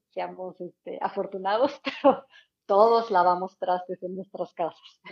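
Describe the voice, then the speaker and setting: Medium-pitched female speech, its pitch shifting in an ordinary way. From Mexico–US border region. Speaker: meditation teacher and actress. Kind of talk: casual interview chat.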